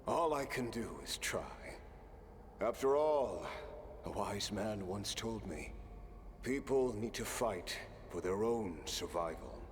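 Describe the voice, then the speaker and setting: A man playing a weary, stoic immortal warrior in a video game, speaking in a measured, wry way. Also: on the low side, lively intonation, slight background noise. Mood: wry, resolute. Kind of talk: scripted game character dialogue.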